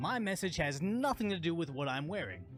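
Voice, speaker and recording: A man speaks in a high pitch with very wide pitch swings. The recording is very clean, with a silent background. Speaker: political commentary youtuber. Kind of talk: scripted commentary. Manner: sarcastic, joking.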